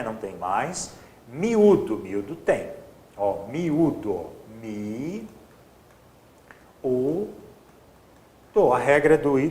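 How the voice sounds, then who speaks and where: Male teacher, lively delivery. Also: mid-range voice, roomy sound, a little hiss or hum. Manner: explains step by step, often adds "ó" and "tá?". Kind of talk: exam-prep grammar lesson.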